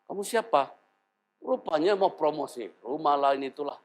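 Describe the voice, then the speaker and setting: A man's voice: fairly high pitch, normal speed, slight background noise. A pastor in his fifties preaching a sermon, telling stories and acting out the voices in them. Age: 50s. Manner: animated storytelling, acting out dialogue.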